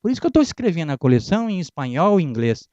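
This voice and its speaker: A middle-aged man lecturing an audience with a high, bouncing voice that leaps all over its range as he tells funny stories. He acts out the dialogue in his anecdotes. The recording is dull and lo-fi, with very little room sound. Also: very fast, no room sound. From Brazil. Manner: animated storyteller who acts out dialogues. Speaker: guest lecturer. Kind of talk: humorous motivational lecture. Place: lecture hall.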